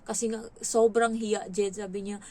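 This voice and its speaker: A woman from the Philippines working as a domestic helper, telling stories in a casual, animated vlog and acting out what others said. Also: medium pitch, normal speed. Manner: chatty, animated, quotes others in raised voices.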